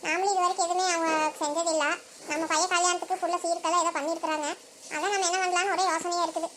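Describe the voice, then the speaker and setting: Cartoon voice actress, very high voice, quick chatty village banter. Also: female voice, little pitch movement, a bit bright, slight background noise. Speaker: narrator voicing all characters. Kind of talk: cartoon voice acting.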